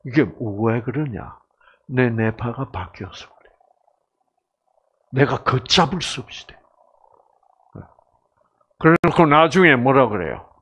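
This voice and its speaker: Animated man giving a lecture. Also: mid-range voice, slow, long pauses, breathy edge. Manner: asks the audience questions, acts out voices and cries. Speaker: health lecturer. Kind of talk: lively seminar lecture with jokes.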